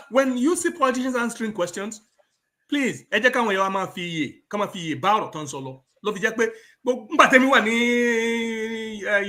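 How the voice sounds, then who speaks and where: A man's voice: high voice, sharp tone. A man with a Yoruba accent from Nigeria, a guest on a talk show, talking emphatically and switching between Yoruba and English. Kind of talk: political talk show discussion.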